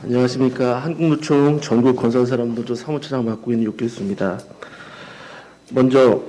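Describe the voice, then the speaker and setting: A man's voice: mid-range voice, steady tone, brisk, noisy background. Earnest man giving a seminar talk. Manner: earnest, plainspoken. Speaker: labor union official presenting. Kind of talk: formal speech with personal asides. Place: seminar hall.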